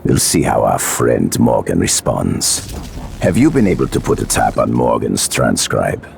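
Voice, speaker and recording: An actor playing a cold, ruthless male mercenary commander in a video game, speaking in a clipped, menacing way with a gravelly voice. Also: very deep voice, very animated, unhurried, a little mellow, a little hiss or hum, full character voice. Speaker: hired mercenary.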